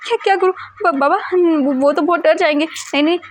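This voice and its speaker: A woman's voice: very high voice, a little fast, a little hiss or hum, pitched above the performer's own voice. A woman voicing a frightened, timid young man who stammers and pleads in panic. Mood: panicked.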